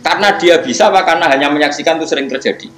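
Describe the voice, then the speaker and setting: A man's voice: a little high, rapid-fire, fairly bright tone, roomy sound, faint music behind. A middle-aged man with a Javanese accent giving a religious lecture, putting questions to his listeners and answering them himself. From Central Java, Indonesia. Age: 50s. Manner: switches between Indonesian and Javanese, asks the audience questions and answers them. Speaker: Islamic preacher.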